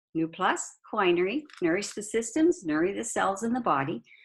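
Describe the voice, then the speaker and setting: A woman's voice makes very wide pitch swings at a moderate pace. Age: 70s. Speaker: product distributor. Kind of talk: testimony.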